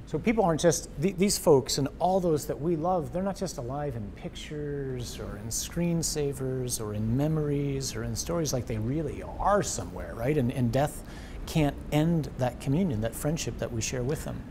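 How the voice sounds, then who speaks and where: A man, a Catholic priest, hosting an earnest, animated faith conversation indoors, often repeating words as he gathers his thoughts. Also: medium pitch, moderate pace, background noise. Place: indoors before a wall of memorial crosses.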